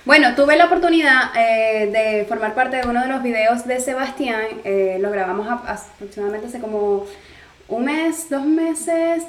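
A woman hosting a casual interview, steering the talk with a playful, teasing manner. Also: high voice. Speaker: host. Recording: roomy echo with crowd noise behind.

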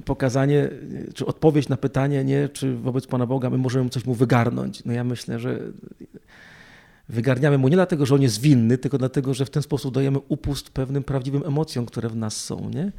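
A man with a dark, gravelly voice talks through a spiritual theme in easy conversation. He keeps checking in with a tag question after nearly every phrase, and retells stories in an animated way. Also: mid-range voice, a little fast. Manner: animated retelling with acted quotes. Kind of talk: casual religious discussion.

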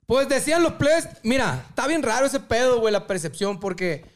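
A man's voice: very high-pitched, fairly quick. A man with a Sonoran Mexican accent, a band member guest telling stories in casual, profane, joking podcast banter. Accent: Sonoran Mexican Spanish. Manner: joking, profane, animated storytelling.

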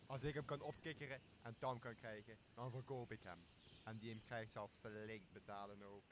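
A man's voice: fairly low pitch, fairly even intonation, normal speed, background noise, natural voice. A young man playing a boozy, blustering, greedy castaway in a Shakespeare radio play, with a coarse and bossy manner. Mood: scheming. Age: young adult. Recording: clear outdoor nature sound behind voice.

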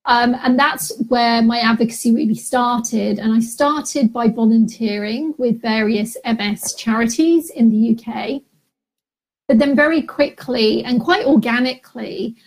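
A woman's voice: fairly high pitch, low-quality recording. A woman in her forties speaking articulately and steadily as a guest in an interview over a video call. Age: 40s. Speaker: guest, patient advocate. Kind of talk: interview answer.

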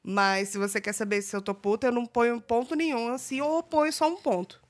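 Easygoing slangy woman, higher voice. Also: steady tone, a little fast. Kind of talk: casual chat.

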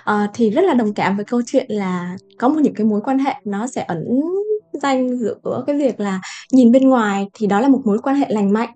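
A woman's voice: on the high side, a little fast, mellow. A woman author speaking as a podcast guest, thoughtful and reflective, with many filler sounds. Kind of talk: casual podcast chat.

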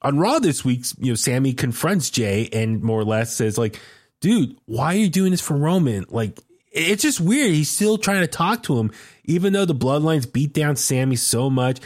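A man's voice: mid-range voice, very animated, moderate pace. A man in casual podcast chat, recapping storylines and asking his co-host questions.

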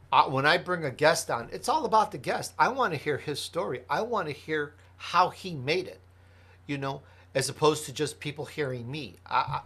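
A man's voice: a little high, bright, forceful tone, breathy edge. A man from Chicago, a podcast host answering interview questions in an earnest, emphatic way, building his points through lists. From Chicago, United States.

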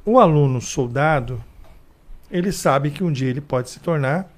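A man in a casual chat, telling stories from his past and acting out other people's voices with big jumps in pitch. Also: normal speed.

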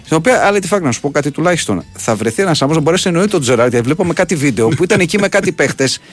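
A man hosting a Greek sports radio show in casual banter, talking with lively ups and downs. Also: faint music behind. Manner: animated, jumps up and down in pitch.

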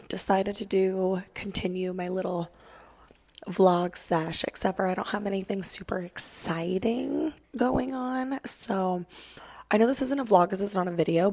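A raspy young woman hosting a casual solo podcast, chatty and swearing freely, recorded on a phone mic in her car. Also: mid-range voice, a little slow, dry recording. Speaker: podcast host. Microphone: phone microphone.

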